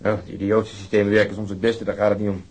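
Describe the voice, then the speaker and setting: An actor playing a blunt, cynical police detective in a radio drama, sarcastic. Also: male voice, lowish voice, level tone, fast, a little mellow, slightly rough. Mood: teasing. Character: gruff, sardonic, cynical male police detective.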